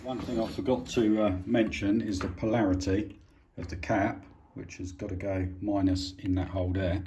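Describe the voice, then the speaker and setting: A man's voice: fairly low pitch, steady tone, normal speed, dark tone, a little hiss or hum. A British man giving a casual hands-on repair demonstration, informal and a bit hesitant as he thinks aloud while working. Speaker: hobbyist presenter of an electronics repair.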